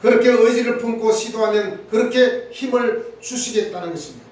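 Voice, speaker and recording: High-voiced pastor preaching in an echoey hall. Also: male voice, brisk, darkish tone. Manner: earnest preaching with acted quotes and self-repeats. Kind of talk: sermon. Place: church sanctuary. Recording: echoey church hall, mic at a distance.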